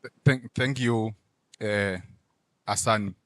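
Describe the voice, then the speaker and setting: A man who is not a native English speaker, giving brief, halting, joking remarks as an invited official. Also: lowish voice, steady tone, fairly bright tone, no room sound. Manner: halting, stammering, jokey. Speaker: director general, invited speaker.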